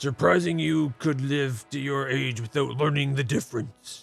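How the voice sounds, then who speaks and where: A man's raspy, put-on character voice at medium pitch, menacing in tone, with faint music in the background. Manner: menacing, scornful.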